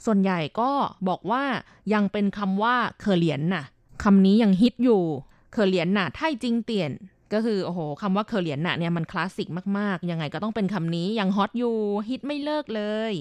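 A woman radio host runs a language segment in a chatty, explanatory manner with polite sentence endings. Her voice sits at a middle pitch. The studio sound is close and dry. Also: brisk, few pauses, a little mellow, no room sound.

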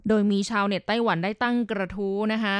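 A woman radio host runs a language segment in a chatty, explanatory manner with polite sentence endings. Her voice sits at a middle pitch. The studio sound is close and dry. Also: steady tone, fast talker, smooth, no room sound.

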